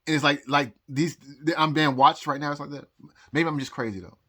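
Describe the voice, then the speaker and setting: A man telling a rambling personal story to his phone, halting and repeating words, pausing often, with nervous laughs. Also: a little high, steady tone, pushed and bright, slightly rough. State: out of breath. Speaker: vlogger. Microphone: phone recording.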